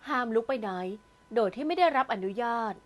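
A woman's voice: fairly high pitch, lively intonation, a little fast, close to an everyday voice. A woman voicing a curt, domineering rich young man in an audio novel, snapping out orders. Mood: harsh.

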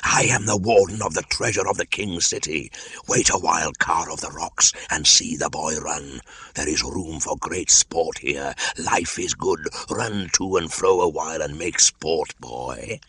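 A man voicing a bitter old white cobra guarding treasure, speaking in a slow, hissing, breathy whisper. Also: very deep voice, bright, forceful tone, heavily acted. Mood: gloating. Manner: slow, menacing.

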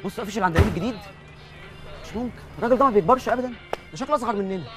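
An actor with an Egyptian accent playing an easygoing man dragged into a comic scheme, lively and exasperated. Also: high voice, very fast, loud music behind the voice, lightly acted.

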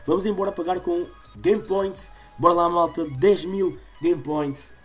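Casting: young male gaming YouTuber, European Portuguese accent, slightly congested, highish voice, music underneath. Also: steady tone, measured pace, fairly bright tone. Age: 20s. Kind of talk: excitable gaming commentary to viewers. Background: game music.

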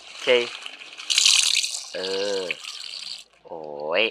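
A man giving casual let's-play commentary, chatty and given to sudden yelps and shouts. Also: extremely slow, heavy background noise. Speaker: gaming video host.

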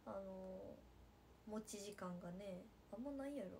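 A young woman with a Nagasaki accent, chatting on a sleepy late-night livestream and reading viewer comments, slipping into soft whispers. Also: mid-range voice, measured pace, noisy background. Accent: Nagasaki dialect. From Nagasaki, Japan. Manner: drowsy, drifting into soft whispers, then bright squeals for viewers. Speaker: idol livestreamer.

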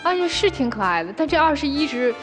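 High-voiced female talk show host. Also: big pitch swings, fast, long reverb tail, music in the background. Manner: prompting, summarizing. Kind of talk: host questioning guests.

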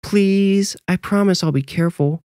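Man voicing an eager, high-pitched little boy. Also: normal speed, warm tone, dry recording, studio quality. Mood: eager, pleading.

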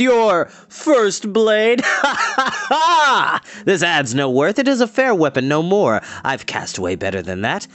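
A man voicing a cruel, cocky brigand leader in an audiobook, taunting and menacing with theatrical, drawn-out delivery. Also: on the high side, pitched above the performer's own voice. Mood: gloating.

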